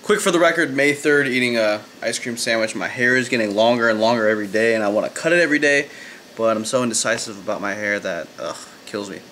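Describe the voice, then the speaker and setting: A young man chats into his camera in a relaxed, rambling vlog, dropping casual swears as he goes. His voice sits at an ordinary middle pitch, and a clear hiss of noise runs under the recording. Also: quick pace. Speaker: fitness vlogger. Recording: noisy handheld camera audio.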